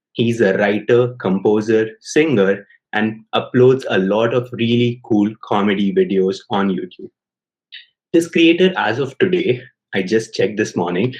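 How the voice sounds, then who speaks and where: A young man hosts an interview in an upbeat, eager way, now and then mixing in Hindi. His voice sits fairly low for a man. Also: highs cut off. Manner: upbeat, switches between English and Hindi. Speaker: host, YouTube program manager. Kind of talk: interview hosting, casual and enthusiastic.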